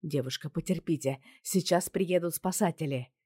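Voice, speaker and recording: Woman reading a calm reassuring man at a crash. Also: sits low, breathy edge, no room sound, studio quality. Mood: soothing. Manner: hurried, soothing.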